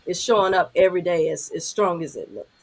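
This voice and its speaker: Woman, 50s, deep low voice, reflective panelist over a video call. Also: brisk, a little mellow, rough recording. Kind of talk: candid panel talk.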